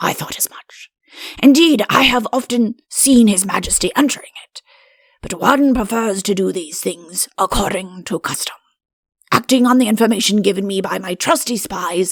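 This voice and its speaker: In a put-on character voice, a woman speaks raspily at a moderate pace and medium pitch. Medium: read story. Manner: pompous, self-satisfied.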